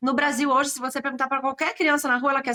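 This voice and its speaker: A woman with a high pitch uses a raised, projected voice that has a bright, sharp tone. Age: 50s. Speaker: lawyer. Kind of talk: interview.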